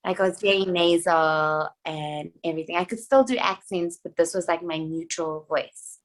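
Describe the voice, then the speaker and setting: Chatty, animated young woman actress. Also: fairly low pitch, low-quality recording. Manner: chatty and animated, quick asides and many "like" fillers. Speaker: actress guest. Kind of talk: casual podcast chat.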